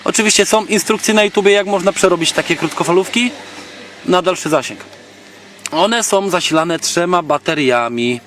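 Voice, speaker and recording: A slightly high-voiced man talks through a product demo in an offhand, slangy way. He pauses and thinks aloud as he goes, with no script. The microphone sits some distance away, with faint noise around his voice. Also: a bit bright. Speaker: video blogger reviewing a gadget. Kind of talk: casual, unscripted product demonstration. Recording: noisy, distant microphone, background clicks.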